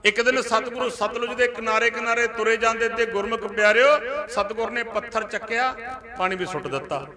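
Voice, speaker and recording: A man delivers an impassioned religious sermon, telling stories in rhythmic, repeated refrains. His voice sits high for a man. A large crowd can be heard around him at the gathering. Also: fairly quick. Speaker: Sikh preacher.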